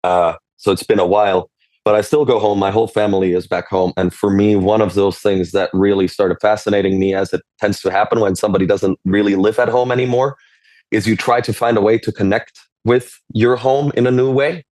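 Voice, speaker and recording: A man's voice: on the low side, steady tone, brisk, darkish tone, no echo. A man from Switzerland, talking on a panel in a rambling way, often stopping himself and laughing. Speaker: panelist, game designer. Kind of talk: casual panel discussion.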